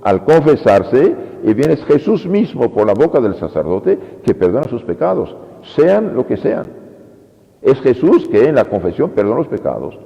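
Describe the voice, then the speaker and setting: Priest guy giving a sermon, gravelly, voice jumps all over, echoey church, kinda muffled. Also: medium pitch, moderate pace. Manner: lively preaching, acting out quoted pleas. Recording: lo-fi recording with long church reverb.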